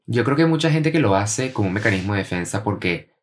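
A man's voice: on the low side, lively intonation, fast talker. A Venezuelan man in casual podcast chat, telling stories animatedly and acting out quoted dialogue.

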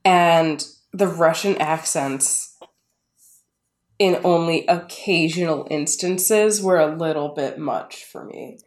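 A woman co-hosting a podcast, giving blunt, emphatic and profane takes on an animated film in casual chat. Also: low-pitched, slow pace. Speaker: podcast co-host.

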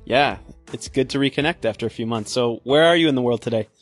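A man's voice: mid-range voice, quick pace, dry recording, faint music behind. A man hosting an interview podcast, reading a scripted intro and asking questions in an upbeat way with short reactions. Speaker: podcast host.

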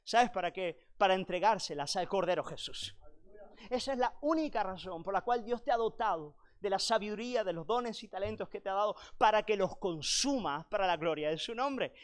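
A man's voice: high-pitched, animated, normal speed. A male pastor preaching a sermon at a retreat, telling a personal story and addressing the congregation as brothers and sisters. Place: church retreat hall.

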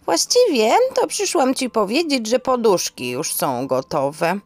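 A woman voicing a grumbling, folksy elderly aunt in an audio drama, scolding yet affectionate, with exclamatory, drawn-out speech. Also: on the high side, huge pitch swings, no room sound, voice pushed up, heavily acted. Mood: brisk, affectionate.

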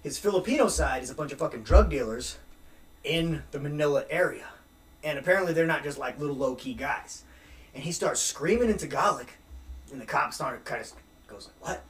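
A man telling a wild story as a podcast guest, animated and profane, acting out what people said. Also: fairly high pitch, a little fast. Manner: animated, profane, acts out quotes. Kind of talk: casual storytelling.

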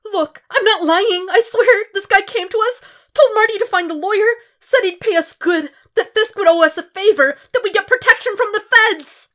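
A woman's voice: moderate pace, few pauses. A woman voicing a terrified young male thug, babbling and pleading tearfully for his life in an audiobook-style reading. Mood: desperate. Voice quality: tearful, high, loud whining.

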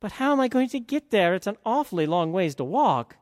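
A storyteller voicing Cinderella as an eager young woman, breathless and excited, with a long hall reverb. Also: mid-range voice, brisk, studio quality, voice pushed up, close to an everyday voice. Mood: wondering.

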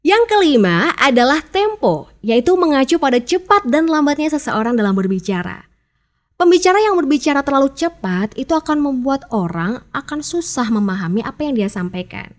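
Upbeat woman coach, higher voice. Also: very animated, moderate pace. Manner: chatty and upbeat, acts out example phrases. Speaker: public speaking coach. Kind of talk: casual podcast lesson.

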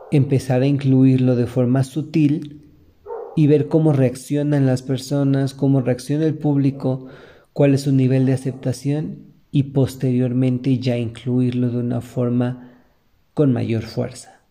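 Slow, very dark-voiced Mexican man. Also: mid-range voice, little pitch movement. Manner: earnest, motivational, speaks to the listener directly. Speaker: podcast host. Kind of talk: reflective podcast monologue.

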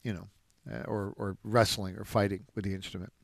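A man's voice: fairly low pitch, level tone, a little fast, creaky, no echo. Reflective man telling stories, dry sound. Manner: reflective storyteller with frequent restarts. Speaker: jazz drummer and music educator. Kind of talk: interview answers.

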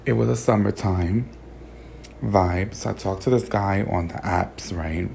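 A hoarse young man with a sassy, campy manner, telling a personal story as a podcast host while sitting in a car. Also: low voice, unhurried, darkish tone, a little hiss or hum. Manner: sassy, campy, swears a lot. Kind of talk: casual storytelling monologue.

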